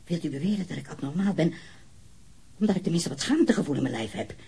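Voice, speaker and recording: A disturbed murder suspect in a crime radio play. His husky voice sits fairly high and moves widely, halting and repeating itself. He is prudish, evasive and defensive. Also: lively intonation, mellow, exaggerated voice. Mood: wounded, defiant. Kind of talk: radio crime drama acting.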